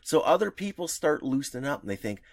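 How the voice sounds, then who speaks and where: A man co-hosting a casual podcast chat, his pitch rising and falling in lively swings as he rambles and restarts his sentences. The sound is close and dry, with no room around him. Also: fast talker, no room sound. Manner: rambling, many restarts, laughs easily. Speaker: podcast co-host.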